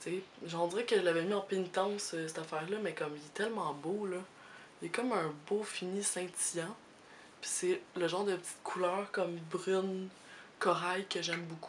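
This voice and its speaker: A soft-spoken woman talks with a Quebec accent and fairly even intonation, while her loudness swings widely. The room echo is audible. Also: medium pitch for a woman, moderate pace. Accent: Québécois French. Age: 20s. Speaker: beauty youtuber. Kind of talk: makeup tutorial. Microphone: camera's built-in mic.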